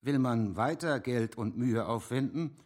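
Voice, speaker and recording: An actor playing a practical, candid army captain in a radio play, matter-of-fact and measured. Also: male voice, mid-range voice, a little mellow, lightly acted. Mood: candid, confidential. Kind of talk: German radio play acting.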